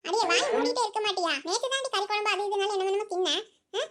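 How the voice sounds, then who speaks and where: A bossy old village mother-in-law in a cartoon, as a woman voices her, who fires off teasing scolds at a breakneck clip. Her voice sits very high and thin, and she barely pauses between jabs. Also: fairly bright tone. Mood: scolding. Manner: teasing and scolding, quick retorts. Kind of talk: cartoon voice acting.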